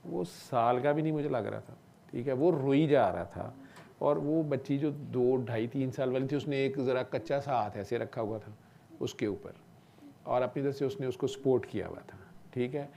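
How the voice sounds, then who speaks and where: A man telling a long personal story in a relaxed, conversational way. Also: mid-range voice, gravelly, slight background noise. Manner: relaxed conversational, often asks "okay?". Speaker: doctor. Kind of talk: casual storytelling talk.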